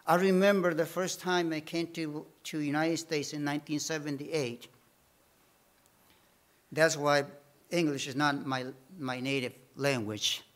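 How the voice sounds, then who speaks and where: Slow, high-voiced preacher. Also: male voice, fairly even intonation, fairly bright tone. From Bolivia. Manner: slow, emphatic preaching with repeated phrases. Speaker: missionary preacher. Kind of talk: sermon.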